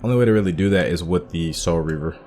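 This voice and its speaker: A gaming channel host with a low, slightly mellow voice talks quickly through a casual playthrough, reflecting on the story as he goes. Soft music plays in the background.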